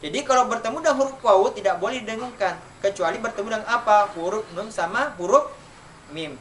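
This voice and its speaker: A man teaching children Quran recitation rules in an online lesson, asking questions and answering them himself and chanting the examples slowly. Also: sits high, fairly bright tone. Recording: distant mic, faint background noise.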